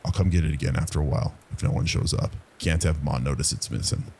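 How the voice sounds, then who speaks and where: A man's voice: very deep voice, steady tone, fast, dark tone, slight background noise. A man voicing a timid, apologetic rural boy in a horror story, speaking in an earnest, folksy way. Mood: earnest, urgent.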